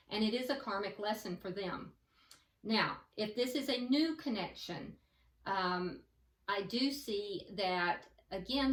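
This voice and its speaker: A woman giving a tarot reading like a fortune teller, thinking aloud haltingly and advising the listener directly. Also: medium pitch, a bit bright. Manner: hesitant, thinking aloud as cards are read. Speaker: tarot reader. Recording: roomy echo, distant from the mic.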